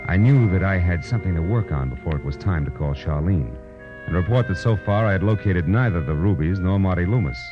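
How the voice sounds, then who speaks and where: An American actor playing a wry, clipped, hard-boiled private detective in an old radio drama. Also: male voice, deep voice, expressive, fairly quick. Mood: wry narration. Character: hard-boiled wisecracking male private detective, narrating his case. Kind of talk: 1940s-50s radio detective acting and narration. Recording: muffled vintage radio recording with music.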